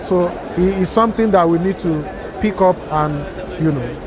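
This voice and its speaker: High-voiced man, halting restarts. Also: crowd noise. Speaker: summit participant. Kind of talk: street interview. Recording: outdoor noise.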